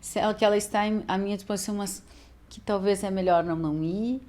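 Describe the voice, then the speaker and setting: A woman's voice: medium pitch, fairly even intonation, fast, darkish tone. Chatty woman hosting a podcast. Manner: conversational, thinks aloud with frequent tag questions. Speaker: podcast host. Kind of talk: casual podcast interview.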